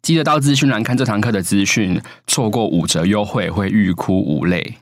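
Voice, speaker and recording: A man reading a scripted course promotion in a smooth, persuasive manner. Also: fairly low pitch, normal speed. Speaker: ad announcer.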